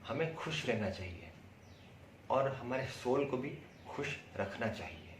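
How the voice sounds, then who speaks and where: An Indian man giving a prepared testimonial in a deliberate, emphatic way, with pauses and repeated words. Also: medium pitch, lively intonation. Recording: roomy echo, distant mic, faint noise.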